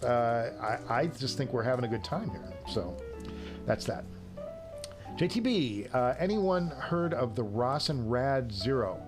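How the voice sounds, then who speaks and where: A man hosts a casual live show with music clearly behind him. His voice sits at an ordinary middle pitch, and he talks off the cuff to his viewers in a joking, self-deprecating way. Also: big pitch swings, a little slow. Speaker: livestream show host. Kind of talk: casual chat answering viewers' live comments.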